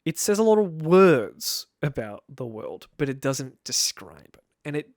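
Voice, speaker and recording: A man's voice: fairly high pitch, big pitch swings, a little slow, no room sound, clean studio sound. A young man talking to the camera in a casual, rambling way, wry and full of self-interruptions. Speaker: video creator. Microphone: camera-facing mic.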